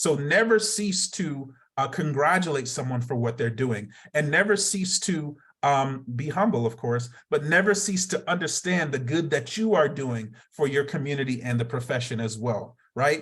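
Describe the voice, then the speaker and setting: A man with an ordinary speaking voice in an American accent, fairly high in pitch, with lively intonation at a moderate pace. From US, Florida. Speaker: counselor educator and mental health leader. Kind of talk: webinar presentation. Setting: online webinar with slides.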